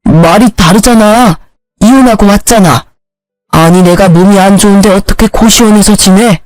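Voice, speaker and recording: A woman's voice: mid-range voice, normal speed, darkish tone, no echo, lightly acted, low-quality recording. A woman reading the part of a selfish, sick middle-aged ex-husband who whines and demands. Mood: whining. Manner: whining, demanding.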